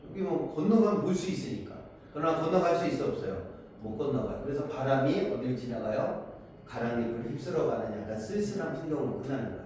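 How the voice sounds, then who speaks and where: A man with a mid-range, dark voice, very animated and fast, teaches a Korean poetry class by posing questions to students and answering them himself. The recording is far off in an echoey room, with faint noise.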